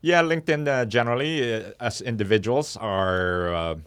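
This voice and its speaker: A man speaking as an interview guest and startup founder, explaining his business in a conversational, halting and measured way in a studio. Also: mid-range voice, a bit bright, smooth, dry recording.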